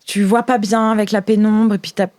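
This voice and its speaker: A woman's voice: mid-range voice, flat delivery, brisk, a little mellow, dry recording. A woman running an improvised tabletop role-playing game, thinking aloud informally and hesitantly as she narrates. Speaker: game master. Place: recording studio. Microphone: studio microphone.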